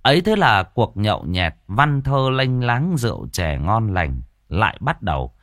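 Lively male storyteller. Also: lowish voice, a little slow, no room sound. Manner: lively, mocking. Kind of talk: comic folk tale narration. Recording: dry close voice.

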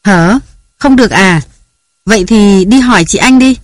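A reader voicing a harried young mother who scolds her children in a raised, hurried voice. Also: mid-range voice, mellow, no room sound, clean studio sound, natural voice. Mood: scolding, frantic. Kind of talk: audiobook character voice.

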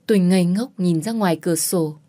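A woman narrating a first-person novel in a sorrowful, measured way. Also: on the low side, mellow. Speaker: audiobook narrator.

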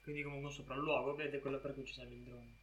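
A man's voice: medium pitch, level tone, quick pace, a bit bright. A man playing a tabletop game, chatting casually as he plans with the others. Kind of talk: casual planning chat. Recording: echoey room, faint noise with hum.

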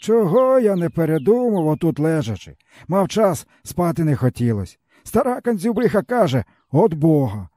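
A man's voice: high voice, mellow, no room sound, pitched above the performer's own voice. A man voicing a starving, bitter older peasant man who speaks in a plaintive, sighing, folksy way. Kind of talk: audiobook character voice.

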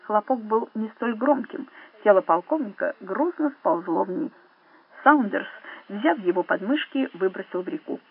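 Husky woman reading an audiobook. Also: mid-range voice, lively intonation, moderate pace. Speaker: audiobook reader. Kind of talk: scripted narration. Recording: narrow phone-like band.

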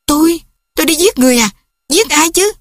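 A woman's voice: a little high, moderate pace, no echo, clean studio sound, natural voice. A woman voicing a fragile young woman who pleads with her family. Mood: distraught. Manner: pleading, tearful.

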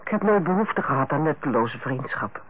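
Stern older nurse, tinny radio recording. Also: female voice, low voice, lively intonation, brisk. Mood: guarded, bitter. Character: stern, lonely older head nurse, softening. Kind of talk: Dutch radio play acting. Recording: tinny, band-limited old radio recording, faint noise.

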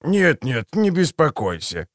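A man reading an audiobook, voicing a sly, hurried manservant eager to get away. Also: fairly high pitch, very animated, no room sound, studio quality, pitched above the performer's own voice. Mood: flustered.

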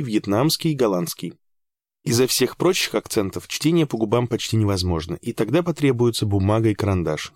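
A man with a lowish voice reads a first-person story aloud in a steady, measured way. His tone stays dry and understated. The recording is close and dead, with no room sound. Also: no room sound. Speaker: audiobook narrator. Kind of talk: first-person audiobook narration.

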